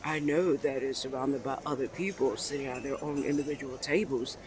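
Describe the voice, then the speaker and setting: Man voicing flirtatious twin brother, smooth, self-assured, teasing, courtly endearments, romantic audio roleplay, light background noise. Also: medium pitch, fairly even intonation, pitched below the performer's own voice, close to an everyday voice. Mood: teasing, tender. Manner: suave, drawn-out, playfully formal endearments. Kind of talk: romantic ASMR roleplay acting.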